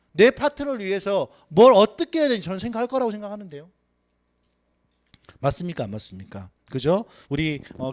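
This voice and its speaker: A man gives an animated motivational talk to a seminar audience, his voice sitting fairly high and swinging widely in pitch. He keeps firing rhetorical questions at the room and acts out the people he quotes. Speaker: sales seminar speaker.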